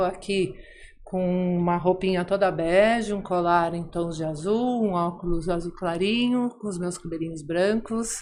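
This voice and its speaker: A woman speaks with a plain, everyday voice at medium pitch, keeping a fairly slow pace and fairly even intonation. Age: 60s. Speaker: podcast host. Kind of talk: casual chat.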